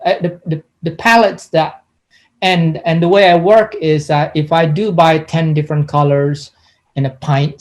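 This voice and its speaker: With a fairly high pitch, this middle-aged artist from Indonesia stumbles through interview answers, pausing often and starting over repeatedly.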